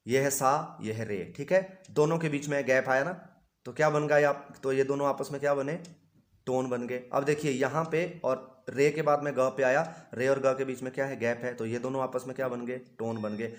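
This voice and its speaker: A man teaching music theory as a patient teacher who poses questions to his students and answers them himself, playing notes on an instrument between phrases. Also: mid-range voice. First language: Hindi. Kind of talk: explanatory music lesson.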